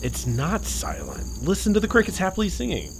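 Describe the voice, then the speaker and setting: A man's voice: sits high, huge pitch swings, a little fast, exaggerated voice. A man playing a breezy, practical young fiancé who dismisses fears in a horror radio play, with crickets behind him. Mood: reassuring. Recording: noisy, insect sounds behind.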